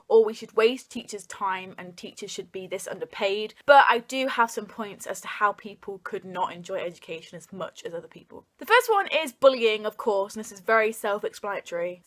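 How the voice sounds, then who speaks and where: A young woman speaks as the host of an opinion vlog, addressing her viewers directly. Her voice sits at an average pitch for a woman. She is informal and earnest, putting emphasis on her points. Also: a bit bright. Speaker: video host.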